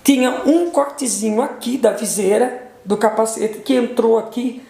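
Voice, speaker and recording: In an echoey room, a middle-aged woman gives an emotional personal testimony in a warm, slightly high voice with vocal fry, speaking a little slowly. She retells what everyone said in long runs of dialogue, repeating "aí eu peguei e falei" amid restarts and fillers.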